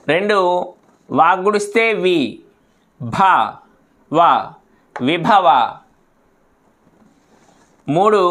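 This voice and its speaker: High-voiced man slowly spelling syllables. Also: fairly bright tone. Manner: patient, syllable by syllable, repeats words. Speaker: Telugu reading teacher. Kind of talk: slow spelling-out lesson.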